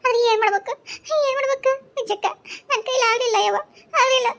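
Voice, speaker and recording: A woman's voice: very high-pitched, fast talker, darkish tone. A woman voicing a poor, tearful village wife of a drunkard in a cartoon, with a North Karnataka Kannada accent and a pleading manner. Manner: pleading, tearful, repeats "yavva". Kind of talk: cartoon voice acting.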